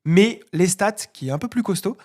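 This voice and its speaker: A man's voice: high voice, animated. A man co-hosting a casual film podcast, telling stories with playful enthusiasm. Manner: enthusiastic storyteller, quick, playful. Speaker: podcast co-host.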